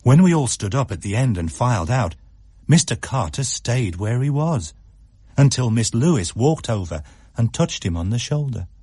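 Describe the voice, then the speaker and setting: A man reading a story aloud as narrator in an expressive, animated way, recorded in a studio. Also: mid-range voice, moderate pace, slightly rough, no echo.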